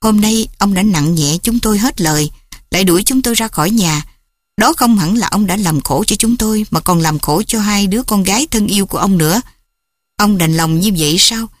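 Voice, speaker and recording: A woman's voice: mid-range voice, fairly quick, no echo, lightly acted. A woman voicing an earnest young man pleading with his love's father.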